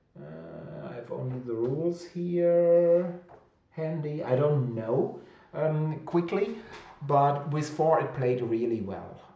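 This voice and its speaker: A man's fairly high voice at a very slow pace, with ordinary pitch variation and audible room echo. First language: German. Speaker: board game publisher hosting weekly live chat. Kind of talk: live stream chat reading viewer comments. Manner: hesitant, many fillers and repetitions.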